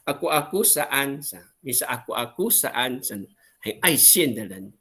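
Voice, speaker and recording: Over a video call, a man with a Taiwanese Mandarin accent teaches an online language lesson, acting out exclamations in a drawn-out, expressive voice. His voice sits in the mid range.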